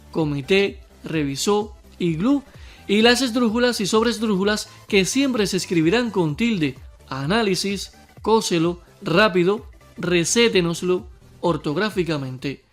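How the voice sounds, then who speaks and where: A man with a high, light voice gives a scripted spelling lesson. He talks straight to the viewer, clearly and deliberately, and slows down to spell out each example word. Soft music plays faintly underneath. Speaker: teacher.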